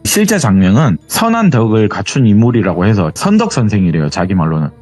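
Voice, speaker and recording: Soft music plays behind this fast-talking young man with a fairly low voice. Sitting in as a guest storyteller, he relays a true horror story in an easygoing way, bringing the dialogue to life with animated performances of each quoted line.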